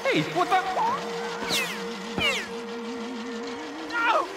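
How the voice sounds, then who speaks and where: A man's voice: on the high side, big pitch swings, music in the background. A man voicing a greedy, cruel, scheming con-man villain in a cartoon, sneering and theatrical. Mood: furious, menacing. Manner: sneering, theatrical, drawn-out delivery. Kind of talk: cartoon voice acting.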